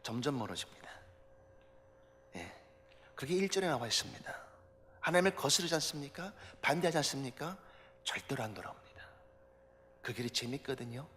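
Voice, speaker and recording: Male pastor, high voice, sermon, rhetorical questions, emphatic, long church reverb. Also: slight background noise. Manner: preaching with many rhetorical questions; emphatic, builds to loud passages. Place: church sanctuary.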